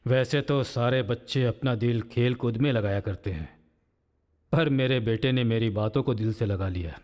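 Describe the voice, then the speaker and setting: An actor playing a middle-aged father in prison who tells the story of his son in a flat, tired way. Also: medium pitch, normal speed, big-room sound, lightly acted. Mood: weary. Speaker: prisoner recounting his son's past. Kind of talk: low-budget film acting.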